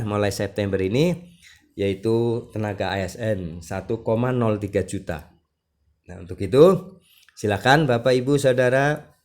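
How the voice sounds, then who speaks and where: A man's voice: on the low side, smooth. A man hosting an online channel, reading news aloud with informal, reassuring explanatory asides. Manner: reassuring, explanatory asides, often ending phrases with "ya". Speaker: YouTube channel host.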